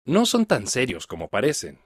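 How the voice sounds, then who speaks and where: A man's voice: medium pitch, moderate pace, dry recording, clean studio sound. Mexican man reading a scripted story. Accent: Mexican Spanish. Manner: clear, even read-aloud delivery. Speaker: reader of a listening text. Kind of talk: scripted first-person reading for learners.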